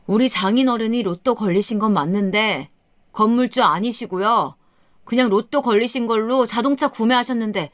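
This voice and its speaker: A woman's voice: fairly high pitch, no echo, natural voice. A woman voicing an indignant young husband who scolds his family in a radio story. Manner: angry, lecturing.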